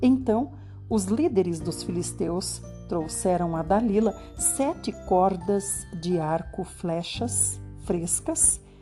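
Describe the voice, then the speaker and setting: A woman's voice at a very slow pace over background music. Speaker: Bible reader / audio Bible narrator. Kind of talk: Bible reading, devotional audiobook narration.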